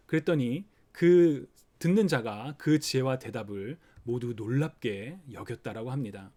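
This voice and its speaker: A man preaching a sermon for an online service, explaining a scripture passage gently and acting out the worried thoughts of parents. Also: mid-range voice, unhurried. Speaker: pastor. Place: online worship recording.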